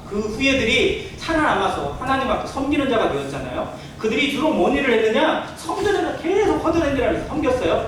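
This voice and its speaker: A man preaching as a pastor in a church sermon, earnestly explaining and putting rhetorical questions to the congregation. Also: sits high. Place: indoor church sanctuary. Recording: very echoey church hall, distant mic, faint noise.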